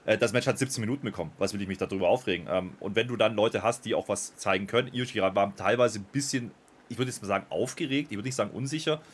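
A man reviewing a wrestling show in casual podcast chat, thoughtful, with many pauses and restarts. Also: fairly low pitch, breathy edge.

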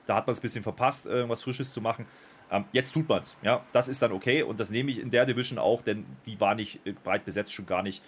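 A man reviewing a wrestling show in casual podcast chat, thoughtful, with many pauses and restarts. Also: fairly low pitch, breathy edge.

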